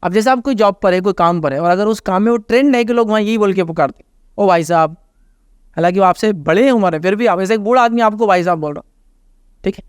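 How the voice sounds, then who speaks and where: High-voiced Indian man giving advice. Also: quick pace, clear, resonant tone, no room sound, studio quality. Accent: Indian Hindustani. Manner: explains with everyday examples and acted-out quotes; repeats reminders to remember. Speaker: Islamic scholar answering a question. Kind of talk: conversational religious advice talk.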